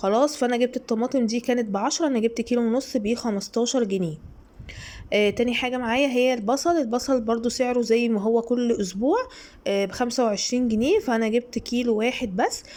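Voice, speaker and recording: A dark, mellow tone comes through with ordinary pitch variation and very even loudness. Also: woman, high pitch for a woman. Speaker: vlogger. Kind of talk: voice-over narration. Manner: halting.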